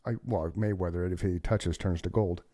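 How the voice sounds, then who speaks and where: A man in his fifties hosting a casual interview podcast, chatty and quick to laugh, often restarting his sentences. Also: sits low, steady tone, mellow, no room sound, studio quality. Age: 50s. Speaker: podcast host.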